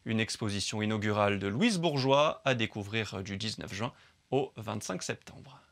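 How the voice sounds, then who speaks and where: A man reading short scripted cultural news items in a crisp, even newsreader manner. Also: lowish voice, normal speed. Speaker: news presenter for culture briefs.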